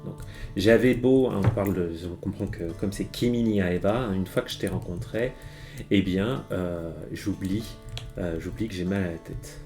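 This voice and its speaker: Brief: lowish male voice, a language teacher on a stream who hesitates a lot, soft music underneath. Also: normal speed. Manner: hesitant, many fillers and restarts. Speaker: Japanese teacher. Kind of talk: live-stream song lyric lesson. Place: home streaming setup.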